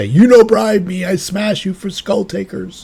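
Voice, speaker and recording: A put-on character voice at a moderate pace. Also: man, high pitch for a man. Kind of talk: broken, crude grammar. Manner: threatening.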